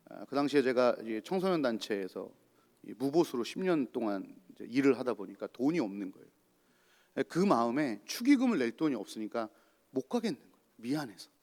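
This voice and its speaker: A man's voice: mid-range voice, a little mellow. A male pastor giving a sermon and asking the congregation rhetorical questions. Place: church. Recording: long church reverb.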